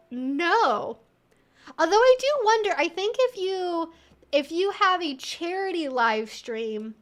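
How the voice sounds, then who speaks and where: A woman with a high-pitched voice hosts a casual livestream. She talks in a conversational, emphatic way, thinking aloud as she responds to viewer comments. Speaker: livestream host.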